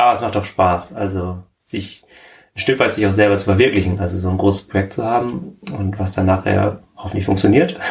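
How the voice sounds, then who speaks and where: Using an ordinary speaking voice, a man talks at a fairly low pitch and fairly quick pace with ordinary pitch variation. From East Frisia, northern Germany. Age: 30s. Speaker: engineer and sailor. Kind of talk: casual interview.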